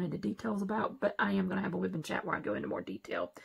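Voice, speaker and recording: Soft-spoken, a woman talks at a very fast pace with vocal fry. The background is quiet. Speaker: craft video creator. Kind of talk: casual unboxing vlog; casual vlog chat.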